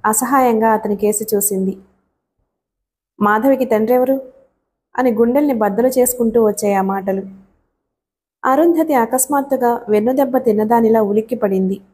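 Mellow-voiced woman narrating a novel. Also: fairly high pitch, brisk. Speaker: audiobook narrator.

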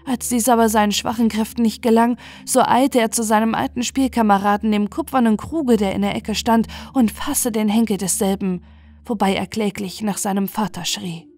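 A woman narrating a scripted fairy tale for bedtime in a measured, expressive storytelling manner. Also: mid-range voice.

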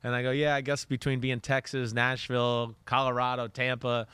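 A man in his forties from New Jersey with a faint accent, hosting a casual sports podcast in a studio, playful and quick to laugh. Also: medium pitch, monotone, a bit bright, clear, resonant tone, no room sound. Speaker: podcast host. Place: studio set with a round table. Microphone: desk microphone.

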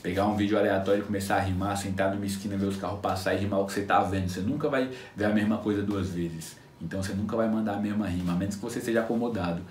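A man giving freestyle rap tips in casual, unscripted talk, animated and slangy, recorded off-mic in a roomy space. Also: on the low side, rapid-fire, hardly any pauses, far from the mic. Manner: animated, slangy, teaching with quoted rhyme examples. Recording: roomy echo, off-mic with faint noise.

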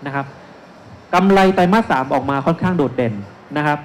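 On an indoor stage at a shopping mall expo, a man in his thirties talks briskly in a fairly high voice through a handheld mic. He's a securities analyst and panel speaker giving an investment seminar presentation, going step by step and using frequent polite particles. Noisy live event sound fills the recording.

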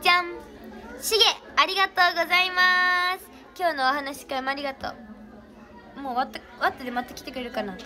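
Bright high-voiced young woman. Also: steady tone, fast, faint music behind. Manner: chatty, thanks fans by name. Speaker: idol reading fan names. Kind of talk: casual livestream chat.

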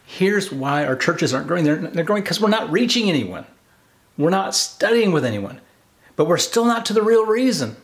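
A man in his forties delivers a sermon-like exhortation in a medium-pitched voice. He is earnest and emphatic, often restating a phrase to press it home. He speaks directly to the camera from a study. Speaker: preacher, video host. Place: home study with bookshelves, indoors.

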